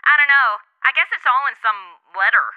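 An actress playing a sassy, shallow modern twenty-something through a telephone filter, slangy, flippant and chatty. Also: female voice, sits high, lively intonation, fairly quick, clean tone. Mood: chatty, blasé. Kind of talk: comedic audio drama. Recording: thin, dull phone-call sound.

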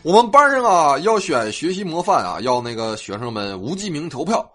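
A young man, hosting a comic storytelling monologue with a sing-song delivery and drawn-out particles. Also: a little high, sing-song, over music. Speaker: host.

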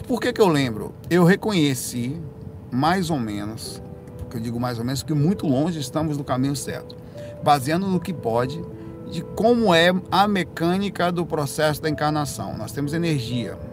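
A Brazilian man, hosting a casual live stream, answering viewer comments in a rambling, self-correcting way with animated bursts. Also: fairly high pitch, normal speed, music in the background. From Brazil, raised in Bahia. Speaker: livestream host answering viewer questions.

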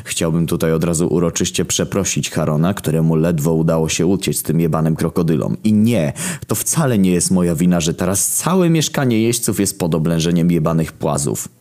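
Very deep-voiced sarcastic male narrator. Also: a little fast. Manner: deadpan, heavy swearing, wry asides. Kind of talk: first-person story narration, crude and sarcastic.

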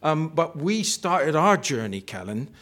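Man hosting a casual podcast, higher-pitched. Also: very animated, unhurried, a bit bright. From Bristol area, England. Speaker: podcast host. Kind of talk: casual sports podcast interview.

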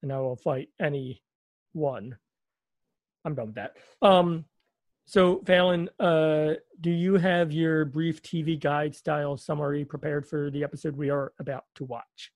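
A man hosts a casual podcast, his voice sitting a little high and recorded dry and close. He rambles through jokes and sarcastic asides. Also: steady tone, measured pace, dry recording. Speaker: podcast host.

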